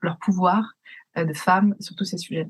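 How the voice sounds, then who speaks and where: With fairly even intonation, a woman speaks at medium pitch and a moderate pace in a somewhat breathy voice. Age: 30s. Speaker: therapist, emotional eating coach. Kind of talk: podcast interview.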